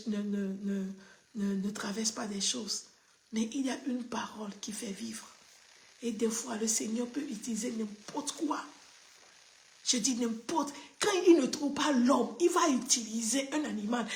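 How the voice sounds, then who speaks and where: Woman pastor, fairly high voice, sermon in a reverberant room, hushed and then bursting. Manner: shifts between hushed confiding and excited high exclamations; repeats phrases for emphasis. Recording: echoey room.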